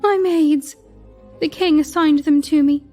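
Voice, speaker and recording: A woman's voice: high voice, steady tone, a little slow, dark tone, soft background music. A woman voicing a naive, tearful young royal concubine who speaks with childlike, pleading innocence. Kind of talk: audio drama acting.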